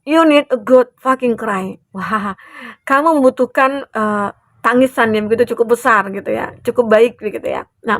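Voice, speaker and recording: Woman tarot reader, slightly high voice with gravelly fry, soothing advisory tone, dry close sound. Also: fairly bright tone, no room sound. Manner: soothing, advising, with frequent tag "ya". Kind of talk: collective tarot reading for a zodiac sign.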